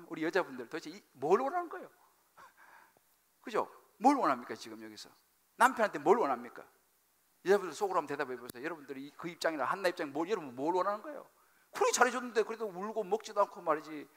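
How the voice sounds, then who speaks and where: A male pastor gives a sermon in a church sanctuary with a high, bright voice that swoops up and down. He jokes, throws questions at the congregation, and slips into acted-out dialogue. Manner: animated, humorous, acts out quoted dialogue. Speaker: senior pastor.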